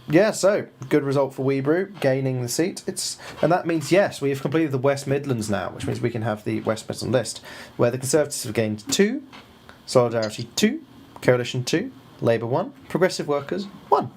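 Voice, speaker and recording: A man's voice: medium pitch, animated, normal speed, creaky, darkish tone, a little hiss or hum. A man hosting a casual live election stream, rambling through results with fillers and restarts.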